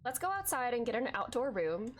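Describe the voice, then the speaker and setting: A young woman with a fairly high, brisk, congested voice streams a game and chats casually with her viewers. She's chatty, leans heavily on filler "likes," and bursts out excitedly whenever she finds something.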